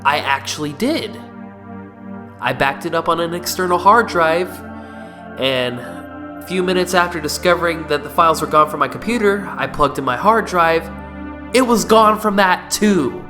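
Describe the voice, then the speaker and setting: A man's voice: on the high side, moderate pace, music in the background. A man giving casual, informal video game commentary as a review host, mildly sweary.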